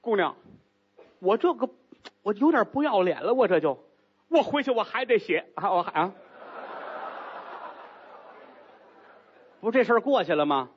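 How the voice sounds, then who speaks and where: A man's voice: sits high, very animated, measured pace, pauses often, husky, dull audio, some chatter behind, exaggerated voice. A man doing a flustered, stammering opera actor. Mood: sheepish. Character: nervous male opera actor, flustered and pleading.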